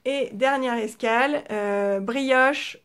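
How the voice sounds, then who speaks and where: A woman hosting a knitting podcast in casual show-and-tell chat, with a French accent, chatty and relaxed, with many fillers and trailing asides, talking toward a camera. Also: fairly high pitch, slow pace, clear, resonant tone. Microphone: camera facing the speaker.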